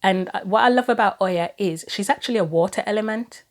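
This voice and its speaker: A woman giving a chatty solo tarot reading and reading guidebook passages aloud, her voice going hoarse. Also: mid-range voice, brisk. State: losing her voice, throat going. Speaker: tarot reader.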